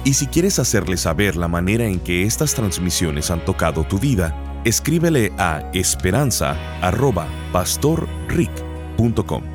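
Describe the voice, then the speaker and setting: A man's voice: sits low, very animated, normal speed. A man reading the scripted announcements for a radio devotional program. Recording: read over clear music bed.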